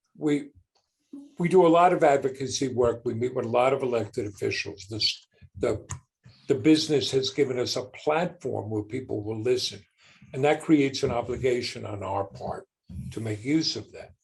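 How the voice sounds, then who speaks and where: A somewhat breathy man at medium pitch and moderate pace, ordinary pitch variation and big swings in loudness. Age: 60s. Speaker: business founder, father of co-founder. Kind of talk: podcast interview.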